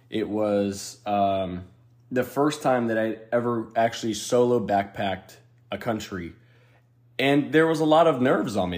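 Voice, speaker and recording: Using a plain, everyday voice, a man with an American accent speaks at a fairly low pitch and a moderate pace. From US South, Florida. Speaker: travel podcast host. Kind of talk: solo podcast monologue.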